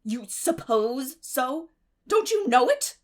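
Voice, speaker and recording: A woman voicing a stern, practical older spinster in an audiobook, with a brisk, scolding, emphatic manner. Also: high voice, big pitch swings, voice pushed up, exaggerated voice. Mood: astonished, indignant.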